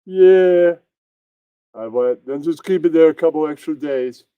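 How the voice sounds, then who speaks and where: A man voices a bossy mafia boss puppet in amateur improvised comedy. He rambles smugly in a slightly high voice. The sound is dull and roomy. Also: a little slow, clean tone, lightly acted. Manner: rambling, self-satisfied catchphrases.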